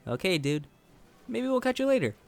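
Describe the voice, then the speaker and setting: A woman's voice: medium pitch, very animated, moderate pace, darkish tone. A woman voicing an easygoing, friendly boy in a dramatic story reading, with a casual, slangy delivery. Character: easygoing, friendly 1980s kid, a confident boy.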